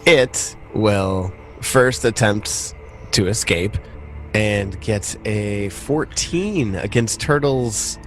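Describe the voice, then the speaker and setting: A man's voice: on the low side, very slow, faint music behind. A man acting as game master, narrating a tabletop roleplaying game in a conversational, descriptive way.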